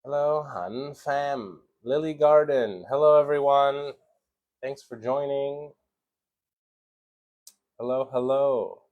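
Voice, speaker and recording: A man's voice: medium pitch, slow, pauses often, muffled recording. An American man from Chicago, an English teacher, chatting casually on a live stream and greeting viewers by name with many fillers. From Chicago, USA.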